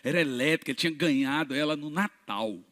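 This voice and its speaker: A male pastor preaching, telling healing stories and acting out the dialogue, moving from hushed moments to shouted peaks. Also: fairly high pitch, fast. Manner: dramatic storyteller who acts out dialogue, swings from hushed to shouting. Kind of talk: preaching a sermon with healing testimonies. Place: church. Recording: long reverb of a large church hall.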